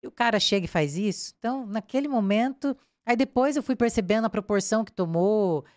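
A woman's voice: mid-range voice, brisk, dry recording, studio quality. A woman with a Brazilian accent, a crime reporter telling her story in a casual interview and acting out what people said. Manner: animated, acts out quoted dialogue.

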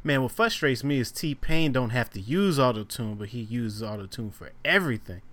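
Animated male show host. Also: medium pitch, moderate pace. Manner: animated, slangy, reads viewer questions. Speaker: podcast host. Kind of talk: casual conversation.

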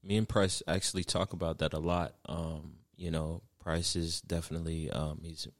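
A man appearing as a guest on a podcast, speaking in a laid-back, halting way with many fillers. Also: low-pitched, level tone, no echo, clean studio sound. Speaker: guest musician. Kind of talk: casual chat.

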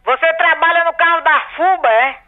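A woman's voice: very high voice, a little fast. An older woman on a phone call, blunt and combative as she hurls insults. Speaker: prank call victim. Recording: tinny phone line.

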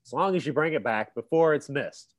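A man's voice: a little high, animated, brisk. A man co-hosting a casual podcast chat, laughing often as he tells the story. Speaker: podcast co-host.

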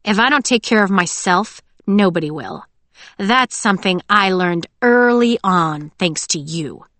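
A woman's voice: medium pitch, lively intonation, unhurried, fairly bright tone, no echo. A woman voicing a defiant, sarcastic teenage cyborg girl with a biting tongue. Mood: cutting.

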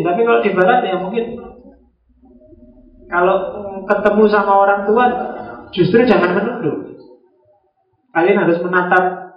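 A man giving a relaxed, joking philosophy lecture to a class. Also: high voice. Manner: joking, conversational, acts out little quoted exchanges. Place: classroom with students. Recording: roomy, dull lo-fi classroom recording.

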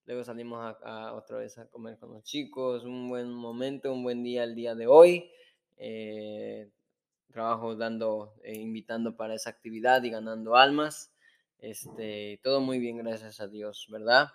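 A man's voice: mid-range voice, level tone, moderate pace, vocal fry, smooth. A man co-hosting a Christian talk show in casual, chatty speech full of fillers. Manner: chatty, many fillers like "este", laughs often. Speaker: co-host of a Christian podcast. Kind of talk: casual chat.

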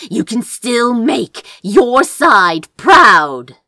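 A cold, commanding demon lord from a fantasy audiobook, as a woman reader acts it. The delivery is formal and imperious, with strong swings of pitch on each demand. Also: big pitch swings, extremely slow, bright, forceful tone, no echo, studio quality, heavily acted. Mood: stern, commanding.

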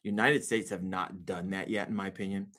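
A man guesting on a podcast with a fairly low voice. He speaks confidently and emphatically, presses his opinions, and now and then stumbles over a word before pushing on. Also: fairly even intonation, a little fast, a bit bright. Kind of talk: casual podcast chat.

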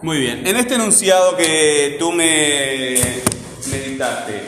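A male teacher, patiently drilling a class and repeating phrases slowly. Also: a little high, lively intonation, music in the background. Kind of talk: classroom lesson. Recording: echoey classroom with long reverb.

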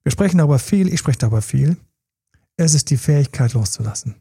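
A man's voice: fairly high pitch, animated, quick pace, dark tone, husky, no echo, studio quality. A man giving relationship coaching in a podcast monologue, talking straight to his listeners in a direct, informal way.

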